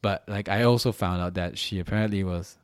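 A young man from Malaysia with a very deep voice, chatting loosely on a podcast. He rambles, restarting his sentences and leaning on fillers. The sound is dry and close. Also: fairly even intonation, a little fast, clear, resonant tone, no room sound. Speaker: podcast host. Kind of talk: casual chat.

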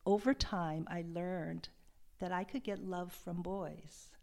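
Soft-spoken reflective woman guest. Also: on the low side, steady tone, slow, gravelly. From Hawaii. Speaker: interview guest, love and sexuality coach. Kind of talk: podcast interview.

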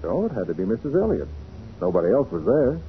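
A man acting a confident, shrewd private detective in a 1940s radio drama, brisk and authoritative as he takes charge and explains. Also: fairly low pitch, huge pitch swings. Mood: explaining, assured. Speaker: actor in a radio crime drama. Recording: muffled, noisy 1940s radio recording.

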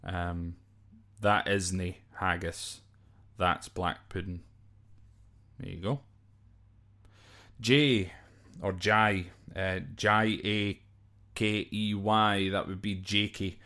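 Low-voiced, slow Scottish man. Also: fairly even intonation, fairly bright tone, clean tone. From Scotland. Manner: hesitant, off-the-cuff, spells words out letter by letter. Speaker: podcast host. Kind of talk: informal explainer of slang, working through a list.

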